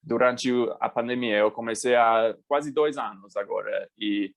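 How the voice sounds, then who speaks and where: Guest voice: American man, native English speaker, mid-pitched, halting second-language delivery. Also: fairly even intonation, gravelly. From United States. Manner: halting, restarts words while searching. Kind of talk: casual interview.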